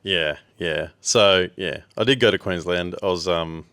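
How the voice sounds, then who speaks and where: A man's voice: low-pitched, a little slow, a bit bright, clear, resonant tone, no echo, studio quality. A laid-back Australian man from Western Australia, co-hosting a podcast in casual chat and rambling with fillers. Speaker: podcast co-host.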